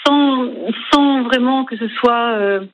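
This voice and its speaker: A woman's voice: high-pitched, slow pace, dull audio, a little hiss or hum. A woman singer and storyteller giving a radio interview, speaking hesitantly with many fillers and restarts. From Lebanese heritage.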